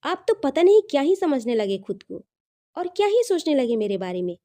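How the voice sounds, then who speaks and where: A woman's voice: high-pitched, sing-song, a little fast, warm tone. A woman voicing a feisty, indignant young hotel employee in an audio love story, scolding dramatically and mixing in English words.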